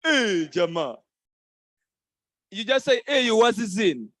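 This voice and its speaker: A man's voice: high voice, sing-song, takes it slowly, fairly bright tone, no echo, studio quality. A man hosting a live youth event, playfully teaching the crowd greetings and repeating phrases back to them. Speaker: event host. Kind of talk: lively crowd interaction. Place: conference hall stage.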